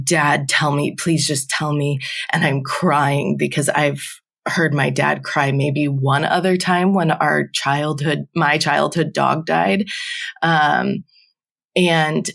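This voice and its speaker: Low, gravelly-voiced young woman. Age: 20s. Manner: conversational storytelling with frequent "like" and "um". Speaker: podcast guest. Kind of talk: personal story told in a podcast interview.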